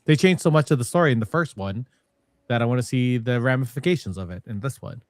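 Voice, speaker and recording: A man's voice: medium pitch, animated, quick pace. A man hosting a casual gaming discussion in an informal, exclamatory way. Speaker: podcast host.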